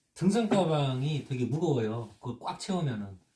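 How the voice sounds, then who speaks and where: At a very slow pace, a man with a medium pitch and a dark, mellow, somewhat breathy tone speaks with lively intonation. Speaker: rural life YouTuber. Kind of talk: casual family conversation.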